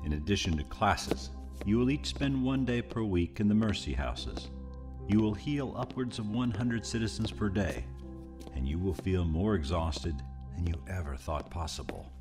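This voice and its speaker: Commanding male mage master: very deep voice, formal lecture over clear music. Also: animated, normal speed. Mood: solemn, commanding. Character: solemn, demanding male master of mage apprentices. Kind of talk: audio drama acting.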